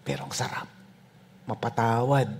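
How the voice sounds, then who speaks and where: A male pastor preaching a sermon with humorous storytelling, often dropping to soft asides. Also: mid-range voice, fairly even intonation, moderate pace, slight background noise.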